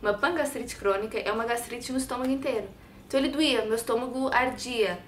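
Interview guest: woman, 30s, European Portuguese accent, expressive storyteller; lapel mic, slight room echo. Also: fairly high pitch, quick pace, slight background noise. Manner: expressive, talks with her hands. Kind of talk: personal story in a sit-down interview. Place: bright studio set with sofa and shelves.

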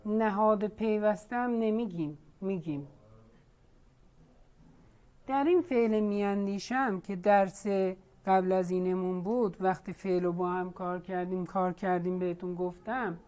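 A woman's voice: mid-range voice, a little mellow. A woman teacher leading an online class, patiently questioning her students.

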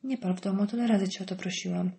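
Icy scornful wife in an audiobook, woman reading, cutting and sarcastic, warm dark tone. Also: mid-range voice, steady tone, fast, gravelly, natural voice. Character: cold, scornful wealthy middle-aged wife.

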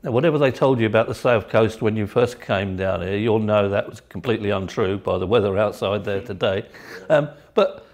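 A man's voice: fairly low pitch, fairly quick, hardly any pauses, a little mellow. A man interviewing a footballer for the club, putting his questions in a friendly, conversational way.

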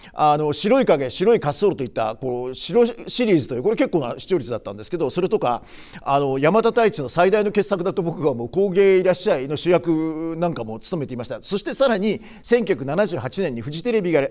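A man in his sixties hosting a show, explaining film history in a chatty way with many short filler pauses. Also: on the high side, a little mellow. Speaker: film commentary host. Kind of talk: casual film commentary.

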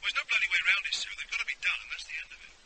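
A man's voice: sits high, very fast, natural voice. An actor playing a blunt, impatient working man in a radio drama. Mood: brusque. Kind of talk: naturalistic radio drama acting. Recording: very noisy, telephone-like radio drama recording.

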